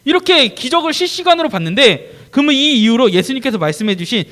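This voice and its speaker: Male preacher for children: high, bouncy voice that acts out the story and keeps asking the kids questions. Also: fast. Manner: animated storytelling, acting out scenes and quizzing the kids. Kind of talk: children's sermon. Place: church.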